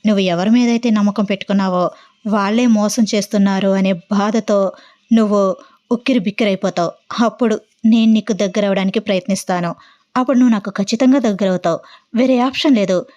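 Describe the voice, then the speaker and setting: A woman's voice: mid-range voice, fairly quick, a little mellow, close to an everyday voice. Scheming young woman, smug and gloating; read by a woman.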